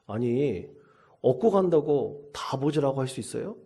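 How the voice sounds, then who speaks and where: A man's voice: medium pitch, animated, normal speed, warm tone, slightly rough. A man voicing a cheeky young boy who talks back boldly to his father. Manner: bold, impudent retorts.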